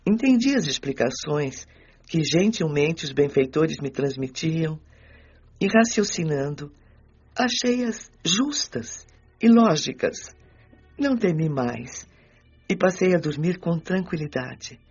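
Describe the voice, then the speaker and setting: Man as a husky, anguished teenage girl spirit. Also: a little high, lively intonation, slow pace, full character voice. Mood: earnest, explaining. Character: anguished sixteen-year-old girl's spirit, devout and fearful. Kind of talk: dramatized audiobook monologue. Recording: dull lo-fi audio with music underneath.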